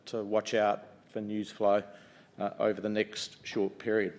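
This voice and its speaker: A middle-aged man with a New Zealand accent and a loud voice, giving an upbeat investor presentation in a conference room, talking casually with lots of ums and uhs. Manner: upbeat, conversational pitch with frequent ums and uhs. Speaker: mining company executive presenting to investors.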